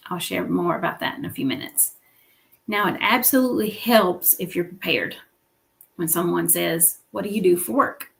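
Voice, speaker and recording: A woman's voice: on the low side, creaky. A woman hosting a weekly business livestream, coaching viewers in an encouraging teaching style and often checking in with "okay?" and "right?".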